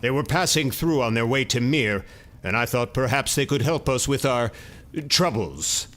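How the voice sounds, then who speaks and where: A man's voice: mid-range voice, animated, normal speed, a bit bright, natural voice. A man voicing a dutiful male soldier guard, formal and courteous, while reading a tabletop game aloud. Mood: apologetic.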